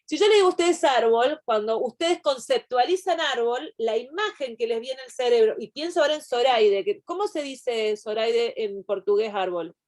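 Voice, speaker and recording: A woman's voice: a little high, expressive, moderate pace, few pauses, a little mellow. A woman teaching a university class over a video call, explaining at length with frequent digressions and restarts. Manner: digressive, explanatory, thinks aloud. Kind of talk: online class lecture.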